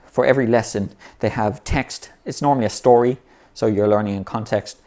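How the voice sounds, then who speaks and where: A native English speaker with a lowish, dark-toned voice talks a little fast as he explains how to learn vocabulary. It's unscripted and easygoing, and he keeps restarting phrases and saying "you know."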